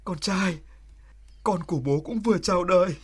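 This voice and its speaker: A man's voice: very high-pitched, expressive, normal speed, slightly rough, heavily acted. An actor playing a young soldier and new father who talks urgently and then tenderly in a TV drama. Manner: bossy and urgent, later soft and emotional. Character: young male soldier helping deliver a baby, flustered then tender. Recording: music playing behind. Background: music.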